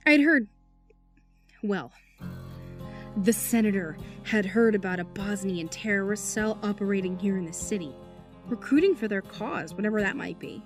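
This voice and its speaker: An actress playing a flustered, rambling aide to a senator, talking to the police. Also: female voice, medium pitch, expressive, moderate pace, long pauses, music in the background, lightly acted. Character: harried female political aide, chatty and evasive. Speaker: senator's deputy. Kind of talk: audio drama acting.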